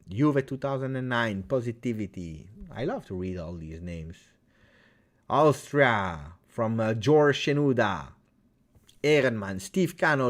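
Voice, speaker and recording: A man with an Italian accent, whose first language is French, hosting a live football fan stream and reading out viewer comments. He talks casually, with loud cheers one moment and low mutters the next. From Italy. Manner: chatty, greets viewers by name, swings from loud cheers to low mumbles. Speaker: football fan livestream host.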